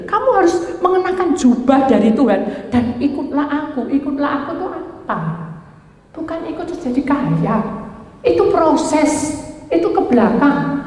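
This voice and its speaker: Woman preaching in an echoey hall. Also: high-pitched. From Indonesia. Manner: animated storytelling, acts out quoted dialogue, mixes in Javanese. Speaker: pastor. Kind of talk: sermon.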